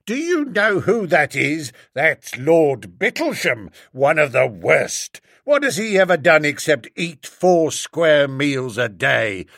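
A man's voice: on the high side, very animated, slow, few pauses, a bit bright, no echo, studio quality, exaggerated voice. A man voicing a bearded street-corner agitator who bellows scornful, declamatory speeches at a crowd. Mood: ranting.

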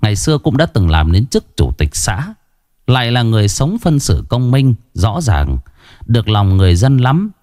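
A man narrating a horror story in a dramatic, expressive storytelling style. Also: medium pitch, normal speed, dry recording, studio quality.

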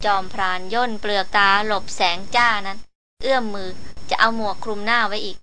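A woman narrating a novel in a steady, even storytelling manner. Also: mid-range voice, a little fast, slight background noise, rough recording. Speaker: audiobook narrator.

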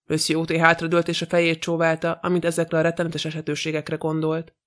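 A man narrating an audiobook in a steady, monotone reading. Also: a little high. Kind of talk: scripted narration.

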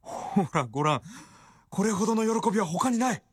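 An actor voicing an anguished doctor husband, speaking pleading and pained in a radio drama. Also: male voice, sits high, animated, fairly quick, slightly rough.

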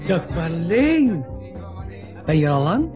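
A man's voice: fairly high pitch, big pitch swings, slow. An actor playing a modest older railway engineer in a radio play, hesitant and self-deprecating in his talk. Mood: awkward. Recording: dull radio recording, music behind.

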